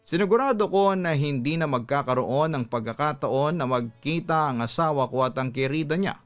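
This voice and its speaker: A man's voice: fairly high pitch, animated, normal speed. A man with a Filipino accent narrating a scripted story in a dramatic radio storytelling style. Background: background music.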